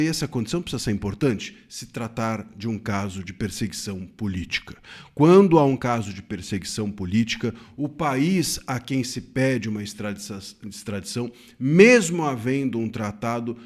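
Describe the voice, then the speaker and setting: A man's voice: mid-range voice, lively intonation, moderate pace. A man from Brazil giving earnest solo commentary on a legal case, emphatic and often restarting his words. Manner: earnest, emphatic, with frequent self-corrections and restarts.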